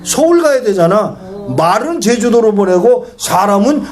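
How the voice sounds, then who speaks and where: A man's voice: high voice, moderate pace. A male guest pastor preaching a sermon to a congregation, telling stories and asking the audience questions. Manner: animated storytelling preacher who asks the audience questions. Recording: echoey hall with faint noise.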